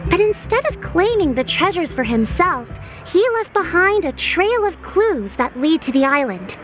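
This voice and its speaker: A woman playing a composed, courteous female tribal chief in a video game, speaking in a formal, measured way. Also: very high voice, sing-song. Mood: storytelling. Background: music.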